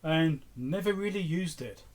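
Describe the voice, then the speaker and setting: Man rambling casually, slightly high voice. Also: expressive, measured pace. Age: middle-aged. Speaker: electronics repair video host. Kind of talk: casual unscripted show-and-tell. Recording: clear background noise with clicks.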